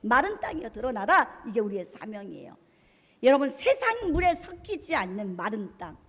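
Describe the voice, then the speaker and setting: A woman pastor delivers an impassioned sermon in a high, bright voice. She swings from hushed asides to loud declarations as she acts out voices in the story. Her words ring out with the long reverb of a church sanctuary. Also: sing-song, normal speed, husky. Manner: impassioned, voices quotes of God and tempters, swings loud and soft.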